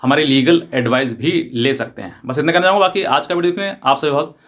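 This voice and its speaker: A man's voice: on the high side, fast, a bit bright. A man, an advocate, gives an informal, repetitive explainer and mixes in English legal terms. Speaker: advocate presenting legal advice videos.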